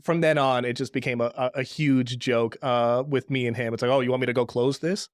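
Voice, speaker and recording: A man's voice: mid-range voice, steady tone, brisk, no room sound, clean studio sound. A young man from Pakistan, a native Urdu speaker, chatting casually as a podcast guest with lots of fillers and restarts. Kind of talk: casual interview chat.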